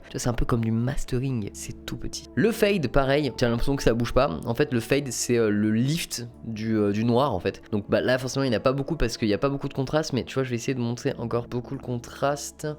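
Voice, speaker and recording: A man giving a chatty, informal software tutorial and talking straight to his viewers. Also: medium pitch. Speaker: video editing tutor. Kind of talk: screen-recorded software tutorial.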